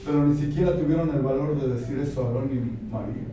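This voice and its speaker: A man's voice: mid-range voice, fast, warm tone. A man from Mexico preaching a sermon, putting rhetorical questions to his congregation and quoting scripture. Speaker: pastor. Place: church hall. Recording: echoey room, mic far off, faint music.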